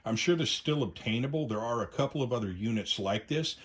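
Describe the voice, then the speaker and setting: A man's voice: mid-range voice, expressive, a little fast, husky. A man hosting a casual gear review video, talking conversationally and often hesitating and correcting himself. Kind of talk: casual product demonstration.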